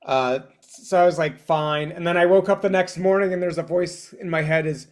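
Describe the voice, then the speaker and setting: Guy in his 40s, kinda high voice, stumbles and restarts a lot, self-deprecating comic on a podcast. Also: steady tone. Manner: halting, repeats words, self-deprecating humor. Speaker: comedian guest. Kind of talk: casual podcast chat.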